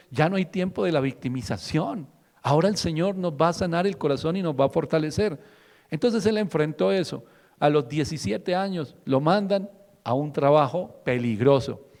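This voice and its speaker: A man's voice: fairly high pitch, normal speed, darkish tone, big-room sound. A man preaching a fervent radio sermon, asking rhetorical questions and acting out quotes. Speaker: pastor.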